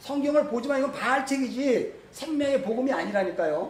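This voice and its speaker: A man with an extremely high pitch speaks at a moderate pace with lively intonation. Noticeable background noise and audible room echo are present. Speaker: Bible teacher. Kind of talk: sermon.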